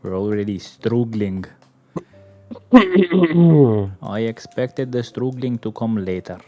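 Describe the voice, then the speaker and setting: A man's voice: mid-range voice, expressive, slow, mellow. A man streaming a game, chatting casually and muttering and swearing at what happens on screen. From Albania. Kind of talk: casual gameplay chat.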